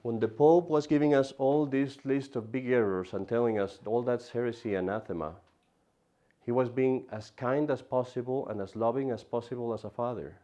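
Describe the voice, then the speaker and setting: A man teaching an adult catechism class in an animated way, often repeating himself and turning aside to talk to the class. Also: mid-range voice, normal speed.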